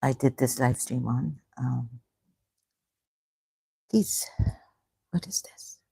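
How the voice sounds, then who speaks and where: Gravelly, halting speaker. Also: mid-range voice, warm tone, no echo. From Pakistan, grew up in Karachi. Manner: halting and emotional, many broken-off phrases. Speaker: online religion commentator. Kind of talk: rambling solo livestream talk.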